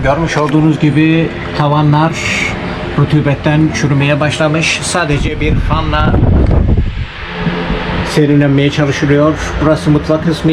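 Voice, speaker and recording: A man presenting to his viewers from inside a small, cramped flat, pointing things out as he shows them around. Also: a little high. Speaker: travel vlogger. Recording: loud background noise.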